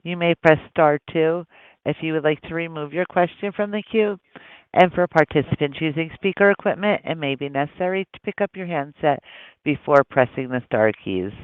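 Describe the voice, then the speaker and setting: A man's voice: on the high side, clean tone, dry recording. A man working as a conference call operator, reading scripted instructions in a formal, procedural way. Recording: dry, narrow phone-line audio.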